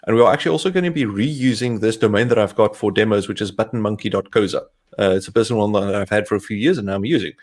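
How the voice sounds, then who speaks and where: Low-voiced South African man. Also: rapid-fire, hardly any pauses. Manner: talks through steps as he clicks, relaxed. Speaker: co-host, developer advocate. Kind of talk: live coding demo narration.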